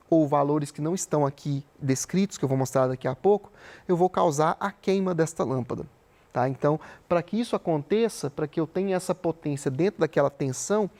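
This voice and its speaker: Um homem dando uma aula gravada de física, explicando com paciência e conferindo a compreensão dos alunos a cada passo. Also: male voice, fairly high pitch, a little mellow. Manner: patient, explanatory, often checks in with "tá?". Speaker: physics teacher. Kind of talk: recorded remote class lesson. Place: studio with a flip chart.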